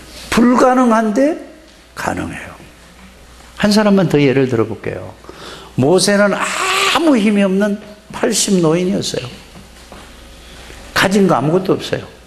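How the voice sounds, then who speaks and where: There is audible room echo and noticeable background noise as a man speaks at a moderate pace with long, frequent pauses. His high voice swings very widely in pitch. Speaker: pastor. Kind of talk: sermon. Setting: church. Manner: consciously restrained volume.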